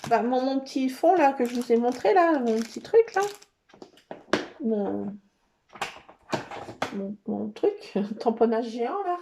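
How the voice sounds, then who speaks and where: Woman, middle-aged, rambling casual chat, slightly high, mellow tone, faint hiss. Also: expressive, slow pace, gravelly, pauses often. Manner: chatty, rambling, full of hesitations. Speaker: scrapbooking vlogger. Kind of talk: casual show-and-tell chat.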